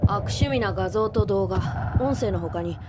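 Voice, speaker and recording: An actress playing a brash, tough-talking boyish young male leader in an audio drama, speaking bluntly and roughly. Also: medium pitch, measured pace, natural voice. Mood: disgusted, bitter. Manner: blunt, rough masculine speech. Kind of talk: Japanese audio drama acting. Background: background music.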